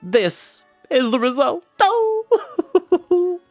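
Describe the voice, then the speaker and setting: A man voicing an excitable, theatrical male bard, a warm-hearted boaster with a gushing, exclaiming manner, for a storybook. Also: extremely high pitch, very slow, no echo, faint music behind, pitched above the performer's own voice, exaggerated voice. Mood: sheepish, exclaiming.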